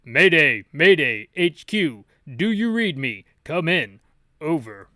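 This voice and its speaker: A man voicing a gruff, urgent male action veteran in dramatic video game dialogue. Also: on the high side, big pitch swings, takes it slowly, pushed and bright, dry recording, studio quality, full character voice. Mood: loud, urgent.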